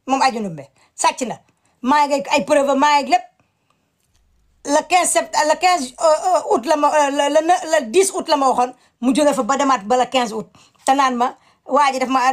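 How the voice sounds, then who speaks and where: A woman giving impassioned commentary, indignant and emphatic, repeating her words. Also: high-pitched.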